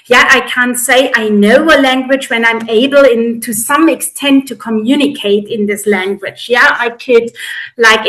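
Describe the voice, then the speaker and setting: A middle-aged woman from eastern Germany with a German accent, giving reflective, halting, explanatory answers as an interview guest. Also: fairly high pitch, fairly bright tone, low-quality recording. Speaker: interview guest, editor and educator.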